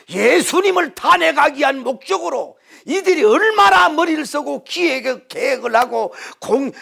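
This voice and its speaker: A male pastor preaching a sermon emphatically, with many rhetorical questions, swinging from loud to hushed. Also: very high voice, creaky.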